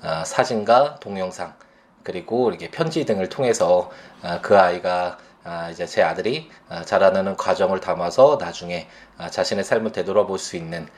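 A man in his thirties, a father, speaking reflectively about his son, pausing often with fillers. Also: sits low. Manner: slow, hesitant, many fillers. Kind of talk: reflective personal testimony.

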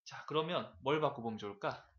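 A man's voice: medium pitch, a little fast, lo-fi sound. A man coaching English in a casual chat, teasing and prompting his partner.

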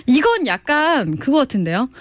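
A woman's voice: sits high, sing-song, normal speed, no echo. A woman hosting a radio segment in a playful, casual chatting style. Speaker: radio show host.

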